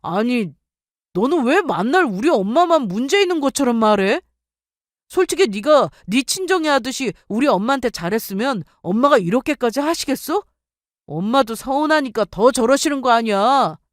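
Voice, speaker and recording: A woman's voice: a little high, lively intonation, moderate pace, dry recording, clean studio sound, lightly acted. A woman voicing a defensive young husband who whines in reply, in a storytelling radio drama. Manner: whiny, defensive.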